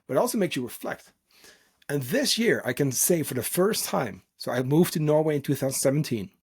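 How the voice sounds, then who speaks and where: A man's voice: medium pitch, a little mellow, slightly rough. Dutch-born man, earnest unscripted podcast talk. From Netherlands. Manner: informal, earnest, emphatic, occasional swearing. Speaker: podcast host and coach.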